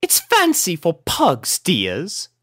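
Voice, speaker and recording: A woman's voice: on the low side, wildly swooping pitch, slow pace, a bit bright, slightly rough, no room sound, studio quality, pitched above the performer's own voice, full character voice. A woman voicing a prissy, dramatic lady pony with a fussy, scolding, theatrical manner, in a cartoon storybook style. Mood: explaining. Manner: theatrical, indignant. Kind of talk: cartoon fan fiction character voice.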